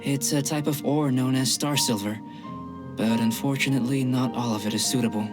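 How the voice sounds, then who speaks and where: A man voicing a calm young male alchemist in a game, measured, clinical and politely detached. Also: medium pitch, close to an everyday voice. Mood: composed. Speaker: game character. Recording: game audio with music behind.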